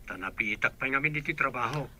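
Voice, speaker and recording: A man's voice: medium pitch, quick pace, pushed and bright. A man voicing an easygoing young man who works far from home, in a radio drama.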